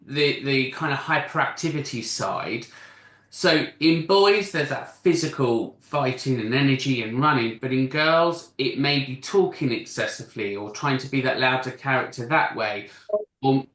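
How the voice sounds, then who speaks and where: A man's voice: mid-range voice, normal speed, fairly bright tone, reverberant. A man in a casual panel discussion who explains at length in long stretches, often restarting his sentences. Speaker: panel guest explaining masking.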